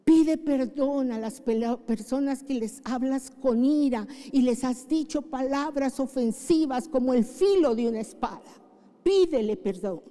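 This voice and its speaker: A woman's voice: high-pitched, measured pace, mellow, long reverb tail. A middle-aged woman pastor preaching a sermon, praying fervently and repeating key phrases with emphasis. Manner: fervent prayer, emphatic repetition. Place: church.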